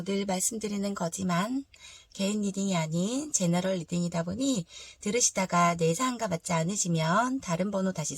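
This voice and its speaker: A woman hosting a tarot reading, hoarse from a throat cold, speaking politely and conversationally as she explains to viewers. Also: medium pitch, no echo. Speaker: tarot reader, channel host.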